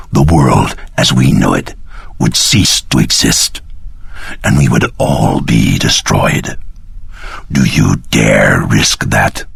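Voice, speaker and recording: A man playing an arrogant, menacing time-travelling villain in a video game, speaking slowly and condescendingly in a gravelly, raspy voice. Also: very deep voice, fairly bright tone, no echo, exaggerated voice. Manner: slow, grandiose, condescending.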